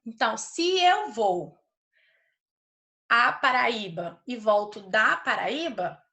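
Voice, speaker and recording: A woman teacher, giving a recorded grammar lesson to schoolchildren. She reads example sentences slowly and deliberately, stopping often to ask "certo?". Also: on the high side, very animated, gravelly, sharp tone. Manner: checks understanding with "certo?".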